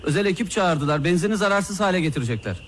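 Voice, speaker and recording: A brisk, dutiful policeman in a TV drama. He reports very quickly in a fairly high, lively voice with clipped official phrasing. Faint street noise sits behind him. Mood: businesslike, deferential. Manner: clipped, deferential reporting and instructing. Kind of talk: television drama acting.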